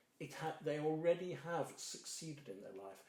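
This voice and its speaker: With an English Midlands accent, a man speaks at a moderate pace in a fairly high, somewhat breathy voice with a dark, mellow tone. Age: 70s. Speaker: strengths coach. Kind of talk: interview.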